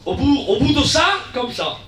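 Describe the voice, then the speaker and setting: A guest pastor giving a lively sermon, acting out little dialogues, shouting key lines and dropping into low asides. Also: male voice, moderate pace, a little hiss or hum. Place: church hall. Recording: echoey church from far off.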